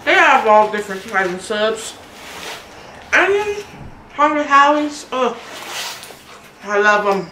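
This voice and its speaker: A woman's voice: on the high side, sing-song, slow, long pauses, pushed and bright, reverberant, a little hiss or hum. A woman, chatting casually on her eating vlog and telling a story with frequent laughs. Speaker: mukbang vlogger. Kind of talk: casual chat while eating.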